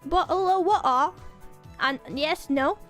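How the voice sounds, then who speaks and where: Young woman streamer, high voice, casual rambling chat, soft music underneath. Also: slow. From Norway. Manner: rambling, restarts and repeats words.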